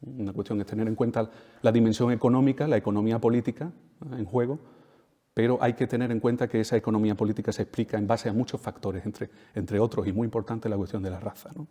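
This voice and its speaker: A man's voice: on the low side, fairly even intonation, fast, warm tone. A man from giving an emphatic lecture, repeating key phrases and checking in with tag questions. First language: Spanish. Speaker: speaker at a talk. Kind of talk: lecture to an audience. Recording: reverberant hall.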